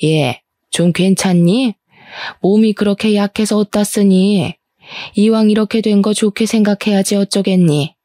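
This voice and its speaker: A woman voicing a cold, scornful older mother-in-law who scolds slowly and with contempt. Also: warm tone, dry recording, studio quality, lightly acted. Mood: sneering. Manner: slow, low, contemptuous scolding.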